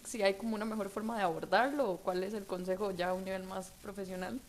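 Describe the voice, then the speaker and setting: A woman's voice: medium pitch, steady tone, quick pace, slight background noise. A woman interviewer asking curious questions over a video call, thinking aloud as she goes.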